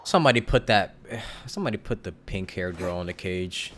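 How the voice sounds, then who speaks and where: A young man giving casual, slangy live gameplay commentary, reacting aloud in a halting way. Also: deep voice, lively intonation, fairly bright tone, slight background noise. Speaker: game streamer.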